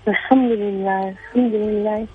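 A woman's voice: medium pitch, steady tone, moderate pace. A woman in her sixties calling in to a radio show, tired, repeating prayers and blessings. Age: 60s. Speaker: caller. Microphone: phone line. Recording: tinny phone line, faint music.

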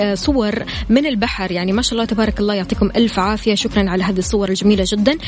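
A woman's voice: mid-range voice, a little mellow. A woman with a Saudi Hejazi accent, presenting a morning radio show in a casual, chatty live style. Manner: chatty, greeting and congratulating listeners. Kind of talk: casual live radio chat with listener shout-outs and news.

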